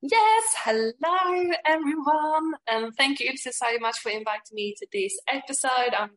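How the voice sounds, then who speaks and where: A woman's voice: sits high, animated, a little slow, fairly bright tone. A woman in her late twenties with a Swedish accent tinged with British, chatting casually and emphatically as an interview guest. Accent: Swedish with some British. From Sweden. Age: 20s. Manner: enthusiastic, emphatic. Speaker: podcast guest, network marketer.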